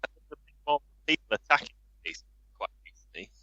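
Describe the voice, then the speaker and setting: A man's voice: mid-range voice, big pitch swings, brisk, bright, forceful tone, no echo, lo-fi sound. A man chatting as a podcast co-host over a remote call whose audio keeps breaking up and glitching. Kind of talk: casual chat. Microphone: remote call microphone.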